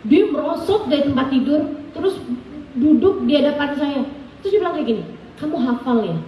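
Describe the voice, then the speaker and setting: A middle-aged woman preacher tells a personal story in a sermon, animated and often laughing. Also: high-pitched, a little fast, slight background noise. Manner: animated, laughs often while telling anecdotes. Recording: echoey room, distant mic, faint ambience.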